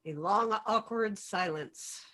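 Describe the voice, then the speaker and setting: A woman's voice: medium pitch, slow, bright, forceful tone. A woman narrating stage directions in an informal script table read.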